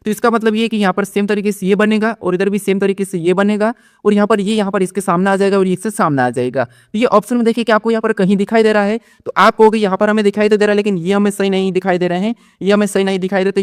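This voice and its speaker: A man's voice: sits high, fast, clean tone, no echo, studio quality. A man teaching a reasoning exam-prep lesson. He asks questions and answers them himself, and keeps checking in with "theek hai".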